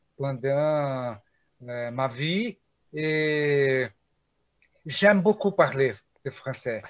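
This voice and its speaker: With a Portuguese accent, a man speaks at a very slow pace, leaving long, frequent pauses. His pitch is fairly high, with ordinary variation. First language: Portuguese (speaking French). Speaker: retired mining engineer, pilgrim hiker. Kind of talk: interview. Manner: halting, many hesitations.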